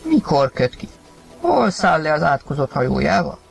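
A man reading a story aloud, narrating and acting the husband's lines with sudden loud outbursts. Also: a little high, huge pitch swings, creaky, breathy edge, soft background music. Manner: acted, rising to shouts in heated lines. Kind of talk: dramatized audiobook reading.

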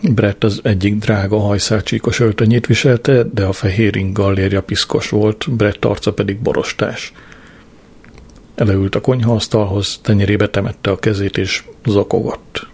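A man's voice: lowish voice, flat delivery, a little mellow, husky. A man reading a first-person diary story aloud in a dry, matter-of-fact way. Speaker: audiobook narrator.

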